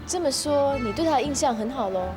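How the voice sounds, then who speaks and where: A woman's voice: high-pitched, lively intonation, fairly quick. An actress playing a sarcastic, materialistic young woman teasing a friend in a TV drama. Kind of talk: TV drama acting. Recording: dialogue under loud music.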